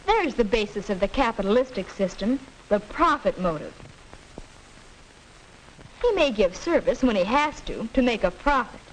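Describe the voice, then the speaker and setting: A young woman playing a pointed, skeptical high school student debating, in 1940s educational film acting, on a hissy old film soundtrack. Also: close to an everyday voice, poor audio. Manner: pointed, arguing.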